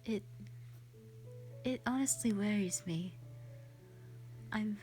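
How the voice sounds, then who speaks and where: A woman acts out a kindly, lonely white dragoness from an audio roleplay. The voice is mellow and whispery, moving slowly and carefully with sweet, formal reassurance. Music plays behind it. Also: mid-range voice, lightly acted. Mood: shy, friendly. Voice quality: soft, breathy, often whispery. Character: gentle, lonely female white dragon, kind to humans. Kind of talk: roleplay audio drama, addressing the listener.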